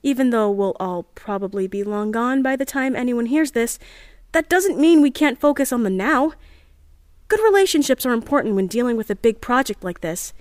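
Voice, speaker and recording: Woman acting chatty, nervous young optimist, higher voice. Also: animated, dry recording, studio quality, close to an everyday voice. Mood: earnest, hopeful. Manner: chatty, earnest, halting asides. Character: bubbly, nervous young rocket chemist, eager optimist. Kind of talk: audio drama acting as a spoken diary.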